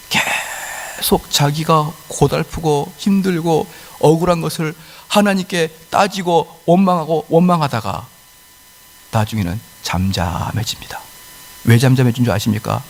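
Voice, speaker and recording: A man's voice: fairly high pitch, moderate pace, creaky, in a large hall, slight background noise. A male pastor preaching a sermon emphatically, with rhetorical questions and acted-out quotes. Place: church sanctuary.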